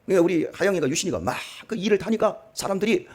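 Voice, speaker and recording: A middle-aged man, a pastor, preaching a dawn sermon in a church, swinging from soft asides to emphatic exhortation. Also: high-pitched, lively intonation, very fast, slightly rough. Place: church sanctuary.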